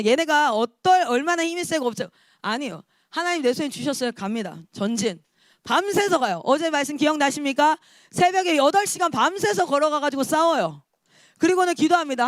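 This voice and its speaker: A woman in her thirties, a missionary, preaching a lively sermon with emphatic calls and acted-out quotes. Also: high-pitched, no room sound, clean studio sound.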